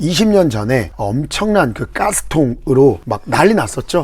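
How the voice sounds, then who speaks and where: Dark and mellow in tone, this man's voice sits fairly high and swings very widely in pitch. He speaks at a fairly slow pace. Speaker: YouTuber and fitness coach. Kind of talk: vlog narration.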